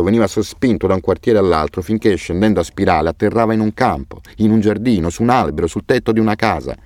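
Deep-voiced man reading a novel aloud. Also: dry recording, clean studio sound. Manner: measured, steady storytelling. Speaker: audiobook narrator. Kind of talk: scripted first-person narration.

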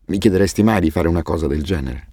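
A man voicing a calm, loyal servant boy in an audiobook, speaking softly and evenly. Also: low voice, fast talker, no echo, clean studio sound. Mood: quiet. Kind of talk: audiobook character voice.

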